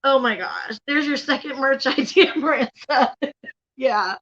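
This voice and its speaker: Unhurried and fairly bright, her high voice carries a casual YouTube commentary stream where she reacts bluntly, curses, and laughs often. The recording has a slightly dull, lo-fi quality.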